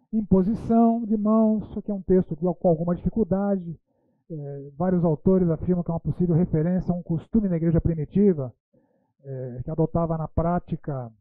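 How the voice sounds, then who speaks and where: A man's voice: high-pitched, no echo. A man teaching a Bible school lecture, posing rhetorical questions and tagging his sentences with "né". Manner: rhetorical questions, frequent "né" tags. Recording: tinny phone-like dry sound.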